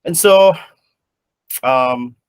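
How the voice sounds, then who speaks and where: A man's voice: mid-range voice, extremely slow, smooth, dry recording. A man from Hawaii chatting casually on a panel, a little nervous, stammering and rambling. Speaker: guest panelist. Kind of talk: casual chat.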